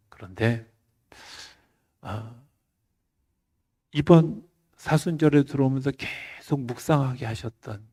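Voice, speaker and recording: Male pastor, sermon, husky voice, mellow tone, loud bursts and hushed asides. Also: mid-range voice. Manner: swings from loud emphasis to soft near-whispers. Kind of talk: sermon at a Friday night service. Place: church.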